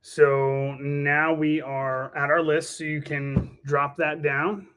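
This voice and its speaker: A man casually walking through a software task step by step in an informal, explanatory way. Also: fairly high pitch, level tone, slow pace, clear, resonant tone. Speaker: software demonstrator.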